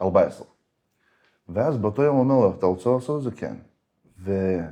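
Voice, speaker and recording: A man's medium-pitched, dark, mellow voice, fairly quick with lively intonation, against a quiet background. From Israel. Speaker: olympic weightlifter. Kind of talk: interview.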